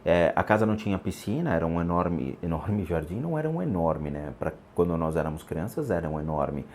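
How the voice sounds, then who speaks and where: Deep-voiced man in his forties telling a story. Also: a little mellow, a little hiss or hum. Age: 40s. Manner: unhurried, reflective storytelling with pauses and restarts. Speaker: vlogger. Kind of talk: storytelling vlog about a haunted childhood house.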